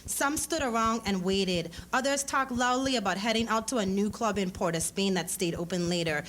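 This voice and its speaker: A woman's voice: mid-range voice, moderate pace, fairly bright tone. A woman reading literary fiction aloud dramatically at a live event. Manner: acts out dialogue in character voices. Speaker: author reading a story. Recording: clearly noisy live event recording.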